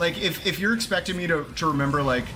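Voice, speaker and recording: A man's pitch varies in an ordinary way as noticeable background noise runs underneath. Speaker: gaming streamer. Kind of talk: live gameplay stream chat. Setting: live stream with headphones.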